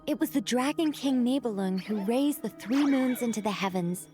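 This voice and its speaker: A woman voicing a serene, mysterious and quietly playful mage in a video game. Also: on the high side, lively intonation, moderate pace, soft background music, lightly acted.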